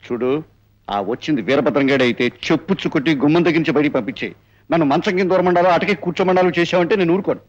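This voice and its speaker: An actor playing a boastful, lecherous older village priest in a film comedy, bragging and then whining in fright. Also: male voice, a little high, rapid-fire, lo-fi sound, slight background noise, close to an everyday voice.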